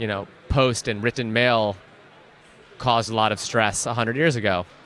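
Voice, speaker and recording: A plain, everyday voice from a man with an American accent, at a medium pitch and moderate pace. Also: fairly even intonation. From United States. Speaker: mindfulness and productivity coach. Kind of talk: interview conversation.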